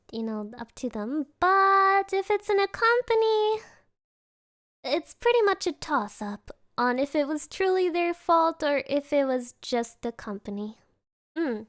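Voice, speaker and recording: A young woman streamer chatting casually with her viewers, teasing them playfully and dropping Japanese filler words between soft laughs. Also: sits high, no echo, studio quality. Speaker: VTuber streamer. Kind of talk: casual chat reading viewer messages.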